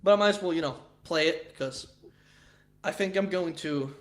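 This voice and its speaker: A man's voice: a little high, moderate pace. A man with a Swedish accent chatting casually with viewers on a livestream, rambling and swearing, with frequent restarts. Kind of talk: casual chat.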